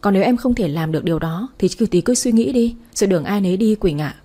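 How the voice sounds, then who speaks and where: An angry husband lashing out at his wife, as a woman narrator puts him on. The voice is mellow and slightly husky. It is read as part of a storybook. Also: mid-range voice, lively intonation, quick pace, lightly acted. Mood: angry scolding. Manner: scolding harshly. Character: angry, reproachful young husband.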